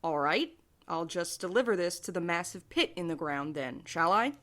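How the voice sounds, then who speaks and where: A woman performs a young female courier in an audio drama. She is sardonic and tired, with a slightly low voice and a dry, wry way of talking. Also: expressive, normal speed, fairly bright tone. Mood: apologetic, wry.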